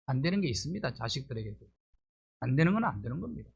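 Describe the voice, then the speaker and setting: A man's voice: mid-range voice, big pitch swings, fast talker, creaky, slightly rough. A middle-aged male pastor delivering a sermon, pressing his points with rhetorical questions and rising emphasis.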